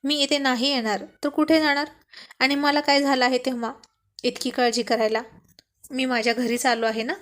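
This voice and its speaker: A woman's voice: high voice, fairly even intonation, moderate pace, fairly bright tone. A woman reading the lines of a nervous young man who dodges his sister's questions, in a story reading. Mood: reassuring. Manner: nervous, defensive.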